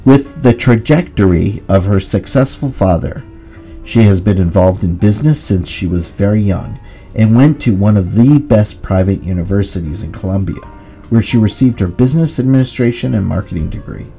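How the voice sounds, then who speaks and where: A man's voice: on the low side, animated, normal speed, warm tone, slightly rough, soft background music. A man hosting an interview show, formally reading out the guest introductions before asking his questions. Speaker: host.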